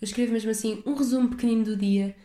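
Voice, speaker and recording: Racing along with a steady, rather high voice, this young European Portuguese host chats through her solo podcast. She's mellow and soft-edged but rambling and reflective, restarting thoughts often, in an echoey room.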